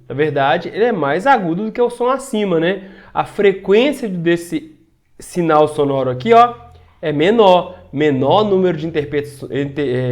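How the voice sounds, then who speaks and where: A man from Brazil giving an online physics lesson, explaining step by step and often checking in with his students. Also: on the high side. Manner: shifts loudness to demonstrate sounds. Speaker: physics teacher.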